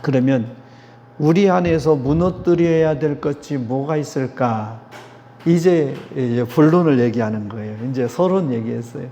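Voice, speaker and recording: A middle-aged man, a theology professor, giving a slow, emphatic lecture-sermon at a church gathering and putting questions to his listeners. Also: mid-range voice, warm tone, a little hiss or hum. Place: church hall. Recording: dull lo-fi sound with long hall reverb.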